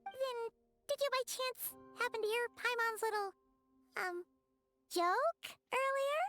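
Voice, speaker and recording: A woman's voice: extremely high pitch, slow, sharp tone, exaggerated voice. A woman voicing a tiny, chatty, cheeky fairy companion in a video game, exclaiming and talking of herself in the third person. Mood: curious, cheeky. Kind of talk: video game character voice acting. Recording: light music behind the voice.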